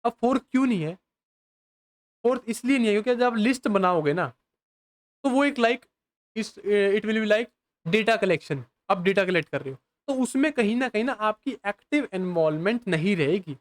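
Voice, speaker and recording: An animated young man with a high voice teaches casually as an exam prep teacher, walking through exam questions. He reads the English questions slowly, then explains them quickly in casual Hindi, calling viewers "bhai" and often checking whether they understand.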